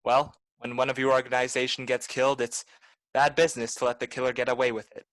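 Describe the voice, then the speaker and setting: A man's voice: mid-range voice, flat delivery, fast, fairly bright tone, no echo, natural voice, low-quality recording. Hard-boiled radio detective, acted by a man: cynical, tough, blunt, recorded dry. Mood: bitter, resolute. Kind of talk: 1940s film noir radio acting.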